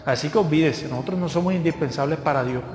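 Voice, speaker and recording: A male guest preacher, delivering a lively sermon and acting out the voices of people in his stories. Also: fairly high pitch, quick pace. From Colombia. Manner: lively storytelling, acts out voices of others. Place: church hall. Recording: echoey church hall with long reverb.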